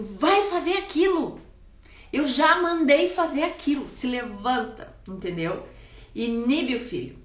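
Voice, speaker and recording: A woman with a Brazilian Portuguese accent giving parenting advice to camera, speaking deliberately with pauses and restarts. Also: medium pitch. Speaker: parenting coach. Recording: echoey room.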